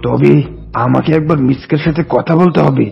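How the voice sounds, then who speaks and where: A man voicing a regal, thoughtful lion, king of the forest, in a cartoon, with a gravelly voice. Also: on the high side, brisk, dull audio, soft background music. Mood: pondering. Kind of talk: cartoon voice acting.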